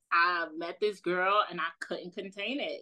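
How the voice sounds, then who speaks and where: With a New York accent, a woman speaks at a moderate pace in a medium pitch, her tone bright and sharp and her intonation monotone and flat. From Brooklyn, New York. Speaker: content creator and single mom.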